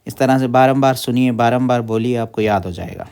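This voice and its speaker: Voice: medium pitch, fairly quick, a little mellow, smooth. A teacher leading a verse-by-verse recitation lesson, who repeats each word and line, corrects pronunciation syllable by syllable, then chants the whole verse.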